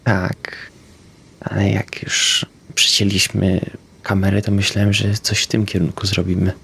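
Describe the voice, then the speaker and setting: A man, a player in a tabletop roleplaying game, haltingly narrating his own moves. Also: on the low side, completely flat delivery, gravelly, a bit bright, breathy edge.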